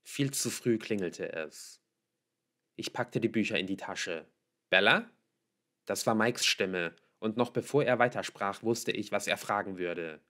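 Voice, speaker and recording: A man's voice: lowish voice, unhurried, a bit bright. A man reading a novel aloud as scripted audiobook narration. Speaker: audiobook reader.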